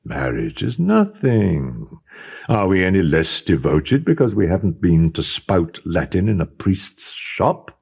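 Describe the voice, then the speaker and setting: Audiobook: a silver-tongued young officer, voiced by a man, husky and lively, rising high for his declarations. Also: slow, full character voice. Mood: coaxing. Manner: ardent, glib, raised pitch for declarations. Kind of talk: audiobook character voice.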